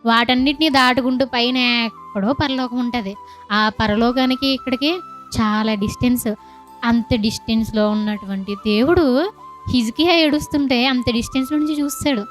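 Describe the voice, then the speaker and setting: A woman with a Telugu accent preaches a sermon in a voice that sits on the high side. She tells the story by throwing rhetorical questions at her listeners and acting out the voices in it. Faint music plays behind her. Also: normal speed. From South India.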